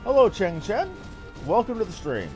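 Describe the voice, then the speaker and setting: A man's voice: high-pitched, big pitch swings, normal speed, darkish tone, soft background music. A man giving casual, informal livestream commentary as he plays a game, with joking and some swearing. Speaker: game streamer.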